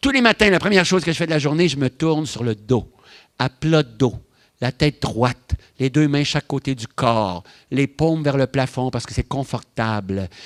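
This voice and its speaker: With a Canadian French accent, a man speaks at a moderate pace and a fairly high pitch in a dry, close sound with no echo. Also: lively intonation. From Quebec, Canada. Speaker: physician and workplace mental health consultant. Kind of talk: public lecture. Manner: humorous.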